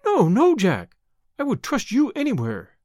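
A man's voice: sits high, very animated, moderate pace, dry recording, clean studio sound. A man voicing a distraught, tender young woman who pleads fearfully and devotedly in an audiobook. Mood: tender, insistent. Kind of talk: audiobook character acting.

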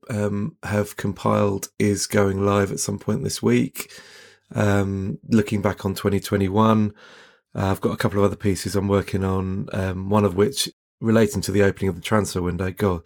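Low, slightly gravelly male football journalist. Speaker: football journalist, podcast guest. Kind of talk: casual football discussion.

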